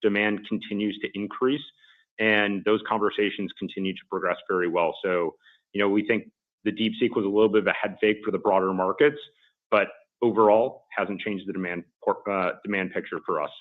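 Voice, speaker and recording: A man speaking as a company executive, giving measured, businesslike answers on an earnings call. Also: on the low side, steady tone. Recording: muffled phone-like conference line.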